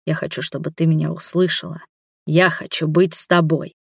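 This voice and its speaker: A grey-haired, ailing man speaks softly and lovingly, pleading for forgiveness, as read by a woman narrator. The voice stays low and calm. The sound is close and dry. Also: moderate pace, gravelly, husky, no echo, heavily acted. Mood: tender. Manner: soft, tender, pleading.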